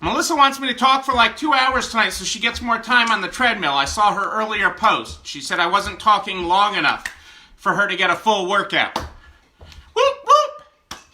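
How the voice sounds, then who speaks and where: A man's voice: high voice, brisk, sharp tone. A man from upstate New York hosting a casual livestream, playfully greeting viewers by name and joking with them. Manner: playful, jokey, reads out viewer names. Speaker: livestream host.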